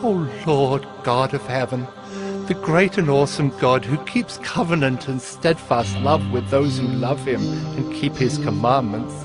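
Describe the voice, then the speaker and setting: A man acts out a devout royal cupbearer in a dramatized scripture production. His medium-pitched voice is solemn and reverent, earnest in its grief. Music plays clearly beneath him. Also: a little slow, close to an everyday voice. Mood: pleading prayer. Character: devout, grieving male cupbearer telling his own story. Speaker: narrator and lead character. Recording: music under the voice. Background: background music.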